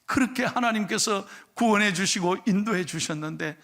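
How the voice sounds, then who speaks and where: A middle-aged male pastor preaching a sermon with animated delivery, acting out complaints and leading scripture reading. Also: sits high, moderate pace, gravelly.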